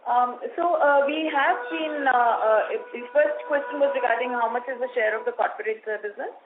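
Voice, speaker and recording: A woman with an Indian accent speaking haltingly as a company executive answering questions on an earnings call. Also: on the high side, music in the background. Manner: halting, hesitant delivery. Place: conference phone call. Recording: tinny phone line with noise.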